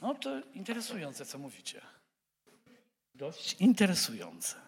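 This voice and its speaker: A man preaching a sermon who speaks straight to the congregation, animated and repeating words as he stumbles. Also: high voice, a little slow, in a large hall, a little hiss or hum.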